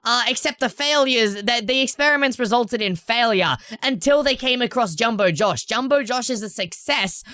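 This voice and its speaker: A woman's voice: a little high, lively intonation, normal speed, hardly any pauses, pushed and bright, no echo, studio quality. A woman hosting game lore commentary in a musing, explanatory manner. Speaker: video host. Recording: music under the voice.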